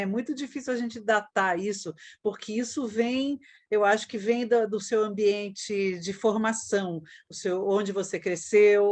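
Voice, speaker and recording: Over a quiet background, a woman at a medium pitch talks at a fairly slow pace. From Brazil, São Paulo. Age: 60s. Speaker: actress. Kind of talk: interview. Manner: halting, with many repetitions and fillers.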